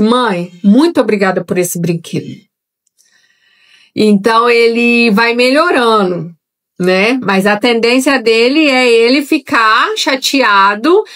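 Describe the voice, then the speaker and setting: A young adult woman leading a live-streamed Bible study in a conversational way, speaking straight to her viewers. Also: on the high side. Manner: conversational, talks directly to viewers. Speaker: Bible teacher.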